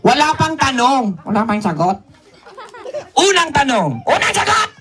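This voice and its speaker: A man's voice: very high-pitched, sing-song, moderate pace, background noise, pitched above the performer's own voice. A man voicing a cheeky puppet sidekick who gives cocky, absurd answers.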